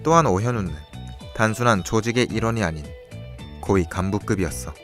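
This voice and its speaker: A young man playing a cool, calculating character who reveals a crime's secrets in a measured, knowing way in an audio drama. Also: lowish voice, a bit bright, soft background music, natural voice. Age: young adult. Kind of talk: audio drama acting, expository dialogue.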